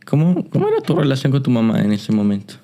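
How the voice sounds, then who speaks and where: A man hosts a Christian interview in a measured, steady voice at an average pitch. He speaks calmly and often repeats his guest's answers back to him. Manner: measured, echoes the guest's words. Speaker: host.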